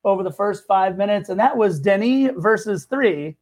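A man co-hosting a casual sports podcast, throwing in quick jokes and teasing his partner. His voice sits notably high for a man. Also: animated, darkish tone. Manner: wisecracking, teasing. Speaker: podcast co-host.

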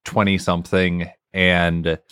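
A man's voice: low-pitched, level tone, takes it slowly, a bit bright, clean tone, no room sound, clean studio sound. A man co-hosting a podcast, telling a rambling story with many likes and uh's. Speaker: podcast co-host. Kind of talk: casual banter.

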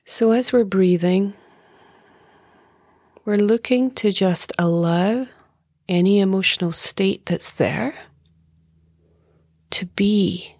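A woman meditation teacher leads a guided meditation in a soft, breathy, medium-pitched voice that often drops near a whisper. She sounds calm, soothing and unhurried. The recording is dry, with clean studio sound.

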